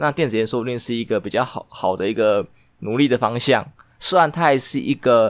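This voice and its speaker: In a very clean recording with a silent background, a man uses a normal speaking voice at medium pitch with ordinary pitch variation and a fairly quick pace. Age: 20s. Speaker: podcast host. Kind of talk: casual solo monologue.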